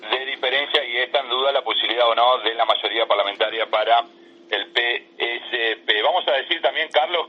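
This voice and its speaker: A man's voice: medium pitch, husky, highs cut off. A man interviewing a guest on the radio, speaking fluently and steadily.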